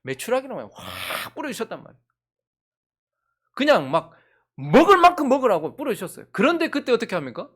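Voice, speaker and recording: Gyeongsang woman pastor, lively swooping pitch, rhetorical questions to the pews. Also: fairly quick, pauses often, husky. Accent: Gyeongsang Korean. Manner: animated, full of rhetorical questions to the congregation. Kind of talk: sermon.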